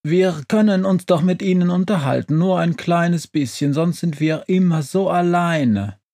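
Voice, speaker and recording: A plump little talking stove from a storybook, lonely and whiny, voiced by a man in a raised, pleading pitch. There is a slight gravelly grain to the voice. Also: a little slow, mellow, dry recording, studio quality.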